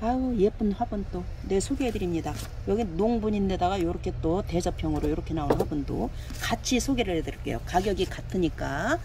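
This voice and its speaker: A woman's voice: fairly low pitch, animated, brisk, few pauses, background noise. Chatty woman showing off plant pots. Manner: chatty, fills talk with pointing words, coaxing buyers. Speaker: online pot seller. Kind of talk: casual product showcase.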